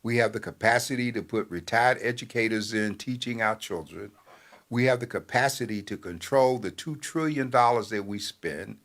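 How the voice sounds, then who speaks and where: Older man, low voice, halting talk. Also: fairly bright tone. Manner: measured, halting with many fillers. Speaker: newspaper editor. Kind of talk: radio talk commentary.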